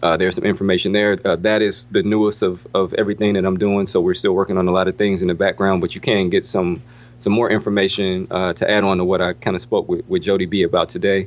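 Speaking at a very fast pace, this voice has an American accent. The intonation stays fairly even. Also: man. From Gary, Indiana (US Midwest). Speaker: entrepreneur. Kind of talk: casual chat. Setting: phone call.

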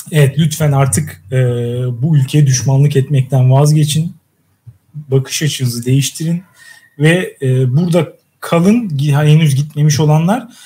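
Somewhat breathy and dark and mellow in tone, a man talks fairly slowly at a fairly high pitch with ordinary pitch variation. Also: very even loudness. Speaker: podcast co-host. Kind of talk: casual chat. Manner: animated, laughing often.

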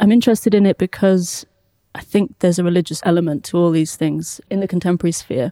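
In a Welsh accent, a woman speaks at a fairly quick pace. Her pitch is fairly low. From South Wales. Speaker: painter. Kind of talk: interview.

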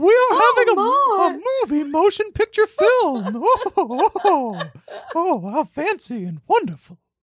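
This put-on character voice sits at an extremely high pitch, swinging very widely in pitch and broken by long, frequent pauses. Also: fairly slow pace. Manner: cartoonish, fancy.

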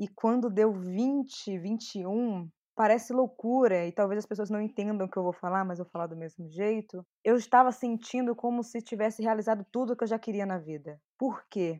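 Hardly pausing, a woman talks at a moderate pace with ordinary pitch variation. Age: 20s. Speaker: entrepreneur and content creator. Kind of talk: casual chat.

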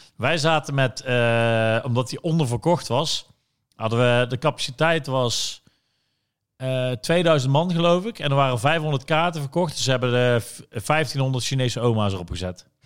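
A man with a strong Brabant accent at a medium pitch, moderate in pace, with ordinary pitch variation, in a very clean recording with a silent background. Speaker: podcast host. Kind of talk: casual chat.

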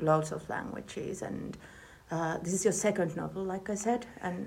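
With a Finnish accent, a woman speaks at a fairly low pitch with ordinary pitch variation. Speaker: podcast host. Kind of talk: interview.

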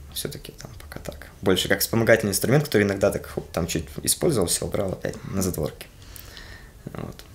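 Whispering at a fairly quick pace, a man shows big swings in loudness. Noticeable background noise can be heard. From Transnistria. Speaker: entrepreneur, athlete and poet. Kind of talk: interview conversation.

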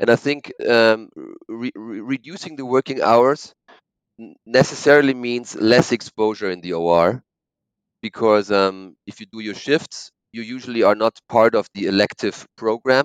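Someone with a German accent speaks at a fairly slow pace with ordinary pitch variation and big swings in loudness, the sound dry and close with no echo over a quiet background. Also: man, medium pitch for a man. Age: 50s. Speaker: neurosurgeon. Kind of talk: interview. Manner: halting.

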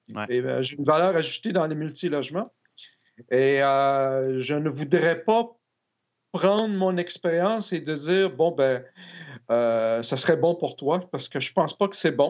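With lively intonation, a normal speaking voice moves at a fairly slow pace. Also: man, fairly high pitch for a man. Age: 60s. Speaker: real estate broker. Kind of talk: interview.

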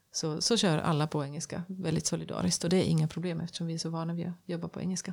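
The woman talks at a very fast pace. Her intonation stays monotone and flat. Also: fairly low pitch for a woman. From Finland. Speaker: orchestra violinist, podcast host. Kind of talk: casual chat.

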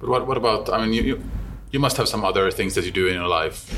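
A man's voice over noticeable background noise. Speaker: basketball podcast host. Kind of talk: casual interview.

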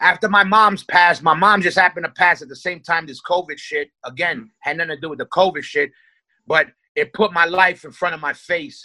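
Against a quiet background, a man with a New York accent speaks in a high voice with a bright, sharp tone at a fairly quick pace. His intonation is fairly even, while his loudness swings widely. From New York City. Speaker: hardcore band singer. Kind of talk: casual chat. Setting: remote call.

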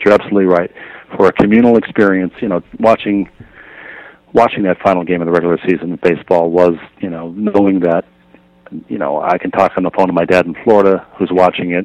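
A man with a very deep, low pitch talks at a very fast pace in a monotone, flat way. The sound is dry and close with no echo, though noticeable background noise is present. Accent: American. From Minnesota. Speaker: sportswriter. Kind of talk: interview.

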